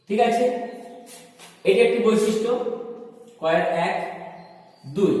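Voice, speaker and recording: A high-voiced man teaches a lesson, posing questions to himself and answering them. He sounds like he is in a bare room with a long, ringing reverb. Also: darkish tone. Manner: explains step by step, asks and answers his own questions. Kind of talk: recorded lecture.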